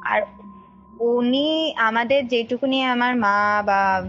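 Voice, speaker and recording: High-voiced young woman, muffled call. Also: slow, fairly bright tone. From India. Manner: emphatic, repeats phrases for emphasis. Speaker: caller recounting a ghost story. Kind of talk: casual personal storytelling. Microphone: phone call. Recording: dull lo-fi call recording, music behind. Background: background music.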